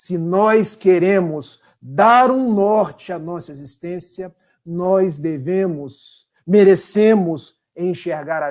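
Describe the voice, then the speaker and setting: A very slowly paced male voice, high in pitch, its pitch varying in an ordinary way. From Brazil, rural Rio de Janeiro state (Itaperuna). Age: 40s. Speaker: spiritist speaker. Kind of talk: religious talk. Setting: online live stream.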